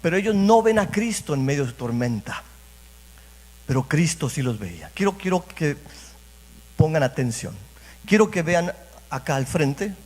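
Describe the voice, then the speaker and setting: A man's voice: fairly high pitch, big pitch swings, normal speed, pauses often, darkish tone. A man preaching a sermon as pastor, repeating phrases and speaking straight to the congregation. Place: church sanctuary. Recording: reverberant church hall.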